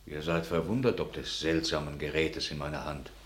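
Country guy in a radio drama, low voice, grave and earnest, tells things in a formal declaimed way. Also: little pitch movement, a little hiss or hum. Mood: bewildered. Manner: grave, declamatory, measured storytelling. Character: earnest countryman bringing grave news of war. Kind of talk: classical German radio play acting.

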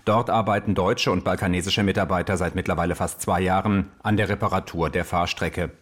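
A man's voice: sits low, fairly even intonation, a little fast, fairly bright tone. A man playing a radio traffic announcer, delivering scripted bulletins in a radio comedy. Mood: matter-of-fact. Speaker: traffic news presenter.

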